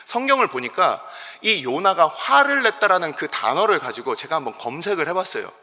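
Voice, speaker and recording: Male pastor, bright voice, lively sermon delivery, long hall reverb. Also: brisk. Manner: animated, acts out quoted complaints with rising pitch and volume. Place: church sanctuary.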